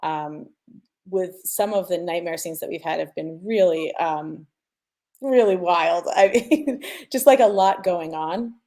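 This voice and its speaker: Speaking with a fairly low, dark voice at a measured pace, this woman describes her job as a sound designer. She offers mixing tips casually, musing out loud and emphasizing what matters most.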